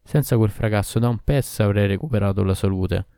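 A man's voice: on the low side, brisk, gravelly, warm tone, smooth, no echo, clean studio sound. A man voicing a king who poses as a sick lover, grumbling and scolding. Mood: grumbling scorn.

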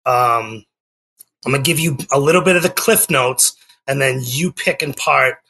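A man in his forties with a Boston-area accent, speaking as a guest over a remote call. His voice is gravelly and bright, and he rambles with lots of ums and restarts. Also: medium pitch, moderate pace. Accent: Boston area, non-rhotic. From Massachusetts, US. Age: 40s. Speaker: guest, life coach and speaker. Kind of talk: casual interview chat.

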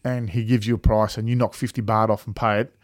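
A man's voice: on the low side, level tone, fast, no echo. Blokey Australian man, dry close sound. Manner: blokey, laid-back, sweary. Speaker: podcast host. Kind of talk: casual chat, anecdotes.

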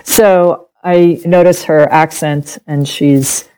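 A middle-aged woman whose first language is German, a podcast guest telling a personal story with lively laughter and acted-out quotes. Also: sits low, takes it slowly, clean tone, rough recording. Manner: animated, laughs often, acts out quoted speech.

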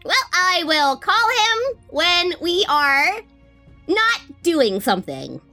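A woman at a tabletop role-playing session, tossing off quick, lively remarks. Her voice is high and very bright. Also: faint music behind. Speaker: player. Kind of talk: casual game chat.

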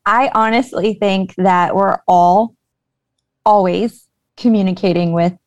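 A woman's voice: medium pitch, takes it slowly, no room sound, lo-fi sound. A woman guest earnestly explaining her beliefs in a casual conversation, with many fillers. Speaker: guest, spiritual intuitive.

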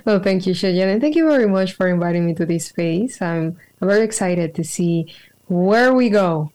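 A woman's voice: fairly low pitch, expressive, a little mellow. Earnest woman on a video call. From Colombia. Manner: thoughtful, earnest, pauses with fillers. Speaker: guest, spiritual practitioner. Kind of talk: casual interview storytelling. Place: home room with a cat.

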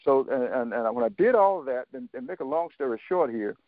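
A man in his seventies speaks as a radio guest over a tinny phone line with a dry sound. He talks haltingly, with many fillers and restarts, and retells conversations as dialogue. His pitch sits in the middle range for a man. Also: expressive, no room sound. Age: 70s. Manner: storytelling, quoting others in dialogue. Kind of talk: interview on a talk radio show.

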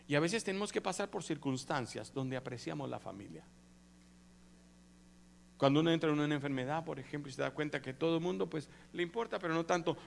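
A man preaching a sermon as pastor, animated, going from soft asides to loud exclamations and asking the congregation for amens. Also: a little high, creaky, slight background noise.

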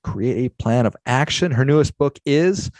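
A man's voice: medium pitch, expressive, moderate pace, a little mellow, dry recording, studio quality. A man hosting a podcast interview, upbeat and chatty, often repeating words as he thinks. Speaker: podcast host.

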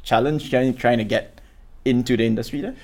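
A man hosting an interview, putting his questions to the guest hesitantly and haltingly. His speech stalls and restarts as he works toward each question. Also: medium pitch, steady tone, darkish tone. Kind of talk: casual interview.

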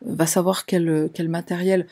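Lower-voiced female true crime narrator. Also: flat delivery, moderate pace, warm tone. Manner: conversational, with wry sarcastic asides.

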